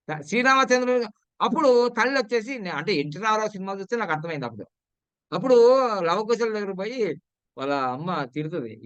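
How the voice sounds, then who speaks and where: A man's voice: fairly high pitch, fairly bright tone, dry recording. A man with a Telugu accent giving casual talk on numerology to viewers, chatty and repetitive, often asking them to comment. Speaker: numerology and astrology presenter.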